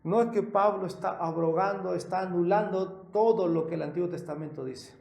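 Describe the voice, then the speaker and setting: A man preaching a sermon with a fairly high, gravelly voice that has a mellow, dark tone. He talks conversationally, corrects himself mid-sentence, tosses in rhetorical questions, and hits key words louder. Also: brisk. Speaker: pastor.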